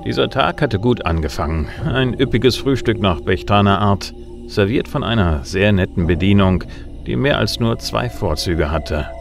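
An actor playing a tough, sardonic bounty hunter, narrating and speaking in a dry, matter-of-fact way in a science fiction radio drama. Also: male voice, lowish voice, lively intonation, moderate pace, gravelly, music in the background. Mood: wry, composed. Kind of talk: first-person hardboiled radio drama narration and dialogue.

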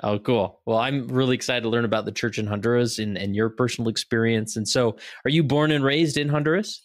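A man's voice: medium pitch, brisk. A man hosting a podcast, talking in an upbeat, chatty way with frequent fillers and restarts. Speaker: podcast host. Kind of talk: casual interview and scripted promo read.

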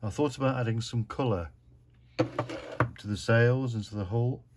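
This is a British man at a craft desk, casually walking through how to make a card while gently mocking himself along the way. He speaks at a medium pitch and an unhurried pace.

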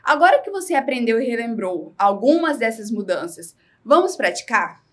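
A Brazilian woman teaching a scripted lesson, speaking slowly and clearly in an instructive way. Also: on the high side, very animated. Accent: Brazilian Portuguese. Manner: slow, clear, instructive delivery.

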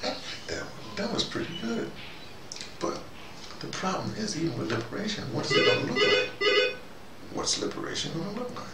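A man in his fifties giving a rambling spoken talk to a small group, jumping between ideas and leaping up in pitch for emphasis. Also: huge pitch swings, moderate pace. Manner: digressive, with sudden rising emphasis. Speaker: commentator speaking to a small audience. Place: small room indoors. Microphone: far camera mic. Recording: roomy, distant, noisy.

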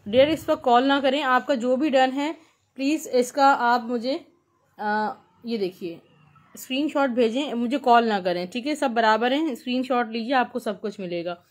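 A woman with a Pakistani accent hosting an informal live shopping sale, pitching repetitively and mixing in English words. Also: normal speed. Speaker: live-sale host selling clothes.

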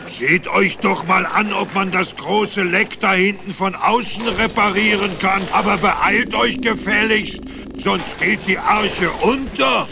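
Bossy cartoon elephant: gruff, creaky, high-pitched bluster over background noise. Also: male voice, takes it slowly, exaggerated voice. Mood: commanding. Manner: gruff, commanding. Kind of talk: animated film radio play dialogue.

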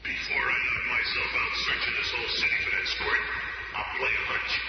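An actor playing a gruff, hot-tempered monster hero, taunting like a street tough in a superhero radio drama. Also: male voice, brisk, lightly acted. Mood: menacing. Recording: noisy muffled old radio recording.

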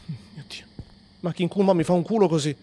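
A man giving joking, swearing commentary over a horror game, yelling when startled. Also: sits high, rapid-fire, slight background noise. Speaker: gaming host. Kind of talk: horror let's play commentary.

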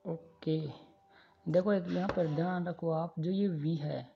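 A man's voice: on the high side, steady tone, slow pace, creaky, dull audio, faint music behind. A man teaching engineering in an online lecture over handwritten notes, drilling formulas and checking in often with his students. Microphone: voice-over on screen recording.

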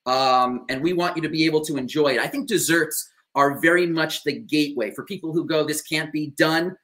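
A man's voice: a little high, a little fast, fairly bright tone. A man in his thirties hosting a live stream over a video call, gushing with praise and relaying viewer questions. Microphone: video call webcam.

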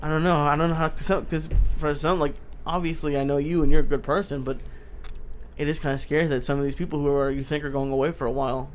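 A man's voice: on the high side, level tone, fast, a little hiss or hum. A man in his thirties co-hosting a podcast, asking short, curious follow-up questions and laughing along, in a small studio on a studio mic. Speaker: podcast co-host. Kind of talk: casual chat. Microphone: studio mic with headphones.

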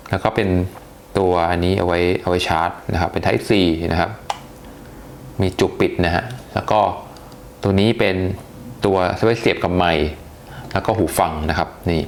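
A man giving a casual, chatty unboxing review, talking with hesitations and many polite particles. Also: sits low. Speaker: tech reviewer.

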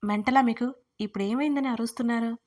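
A woman's voice: fairly high pitch, fairly even intonation, a little mellow, lightly acted. A woman voicing a bold, chatty young woman gossiping with friends in a storybook reading. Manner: brisk, teasing.

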